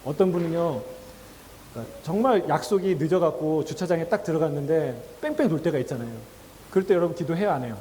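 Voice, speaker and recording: A male pastor gives a sermon in a church sanctuary, talking it through like a conversation and putting questions to the congregation. His voice sits high but sounds mellow and soft-edged. A long reverb from the church hall trails after each phrase. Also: fast talker, slight background noise. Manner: acts out quoted voices with laughs.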